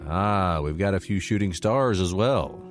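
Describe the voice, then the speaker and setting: An actor playing a stoic, nostalgic stranded military man in an audio drama, measured and reflective. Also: low-pitched, animated, music in the background. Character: stoic, nostalgic male military survivor stranded on a desert planet.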